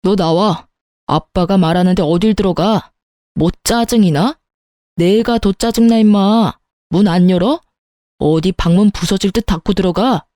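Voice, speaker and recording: A stubborn, hot-tempered middle-aged father barks and blusters at his family, as a woman narrator puts him on. The voice is mellow and close, recorded dry for a read-aloud story. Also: mid-range voice, measured pace, no echo, close to an everyday voice. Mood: angry. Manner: shouting, bullying, indignant.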